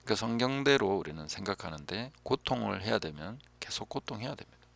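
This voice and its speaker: A low, gravelly man's voice gives a calm, reflective Bible teaching as a pastor, often sinking to a hushed tone. The recording sounds dull and lo-fi. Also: fast talker.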